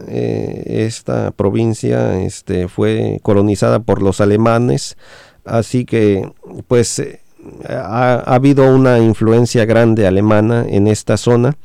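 A man hosting a radio talk, interpreting, halting and full of fillers. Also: mid-range voice, gravelly, a little mellow, smooth, no room sound, clean studio sound. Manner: many fillers and restarts, slow and halting.

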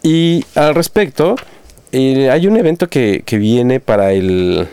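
Man, radio host, chatty, friendly, smooth voice, lowish pitch, dry close sound. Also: animated, slow pace, dark tone, dry recording. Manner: friendly, chatty, announces events with many fillers and restarts. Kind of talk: casual community radio chat.

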